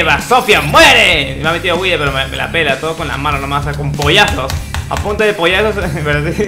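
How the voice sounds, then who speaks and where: A young man, talking over a game, joking and shouting at enemies. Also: on the high side. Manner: excitable, shouting at enemies, comic. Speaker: gaming youtuber. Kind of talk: playing a game.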